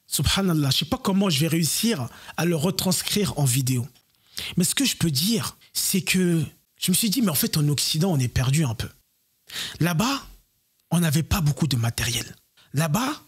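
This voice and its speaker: A man's voice: fairly high pitch, breathy edge. A young man from France, speaking earnestly and reflectively to his viewers in a personal vlog. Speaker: YouTuber and entrepreneur. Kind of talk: personal vlog talking to camera.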